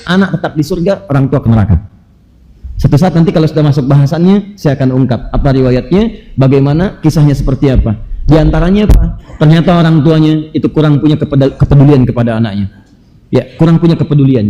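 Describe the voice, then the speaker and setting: Fast, high-voiced man preaching in a hall. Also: dark tone, highs cut off. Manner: emphatic, with rhetorical questions to the audience; recites Arabic scripture quickly between explanations. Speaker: Islamic preacher. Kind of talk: sermon. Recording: long hall reverb.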